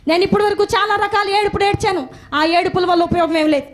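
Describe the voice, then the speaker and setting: A woman's voice: very high-pitched, level tone, quick pace. A woman preaching a sermon emphatically, repeating phrases for stress.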